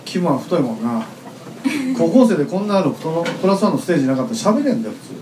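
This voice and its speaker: A man's voice: on the high side, very animated, quick pace, background noise. A man with a Kansai accent, the agency boss, joking and teasing in casual banter on a live event stage. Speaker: agency boss and show regular. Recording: echoey live venue with audience.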